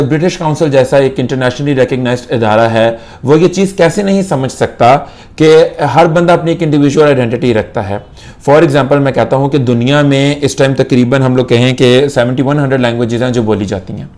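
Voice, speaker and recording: A man's voice: mid-range voice, darkish tone. A young Pakistani man, an IELTS instructor, gives a lesson to camera in Urdu mixed with English and repeats key points for emphasis.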